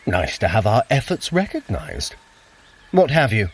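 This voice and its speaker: An actor playing a proud, sardonic, scheming trickster god in a scripted audio drama, with dry sarcasm and theatrical formal diction. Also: male voice, lowish voice, huge pitch swings, unhurried, a little hiss or hum, full character voice.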